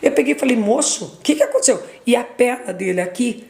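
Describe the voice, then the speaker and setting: A middle-aged woman giving an emotional testimony as a mother, retelling dialogue, repeating words, her voice leaping high at intense moments. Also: expressive, quick pace, creaky, a little mellow, roomy sound.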